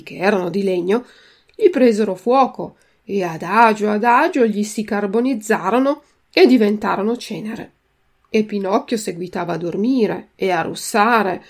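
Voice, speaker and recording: A woman reading a children's classic chapter by chapter for learners, with slow, careful enunciation, then drilling the vocabulary. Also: mid-range voice. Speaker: reader and language teacher.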